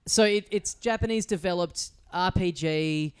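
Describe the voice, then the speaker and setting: A man's voice: high-pitched, measured pace, smooth. An Australian man co-hosting a podcast, chatting casually and rambling with lots of fillers and restarts. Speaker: podcast co-host. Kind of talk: casual chat. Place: small studio.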